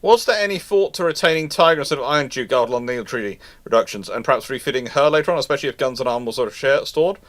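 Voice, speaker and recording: A man hosting a live history question-and-answer stream in casual chat, talking in a halting, rambling way with repeated words. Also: medium pitch, expressive, a bit bright. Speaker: host of a live naval history Q&A.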